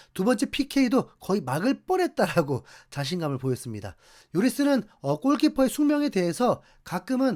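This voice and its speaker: The recording is very clean, with a silent background. Speech moves at a moderate tempo. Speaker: sports YouTube commentator. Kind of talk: narrated news roundup. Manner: frequent filler hesitations.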